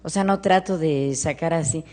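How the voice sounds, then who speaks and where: Older Mexican woman, audience member, halting speech that keeps repeating itself. Mellow voice in a hall with a long reverb. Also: low-pitched. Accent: Mexican Spanish. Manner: halting, repeats words, voice rises when quoting family. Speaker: audience member asking a question. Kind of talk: emotional personal testimony. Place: large hall at a live workshop.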